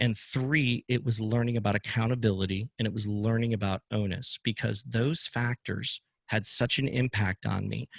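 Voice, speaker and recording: A man with an American accent speaks in an unremarkable speaking voice at a medium pitch with ordinary pitch variation, in a very clean recording with a silent background and a dry, close sound with no echo. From Chicago area, Illinois. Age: 40s. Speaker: fire lieutenant and instructor. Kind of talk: podcast interview. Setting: studio with camera and microphone.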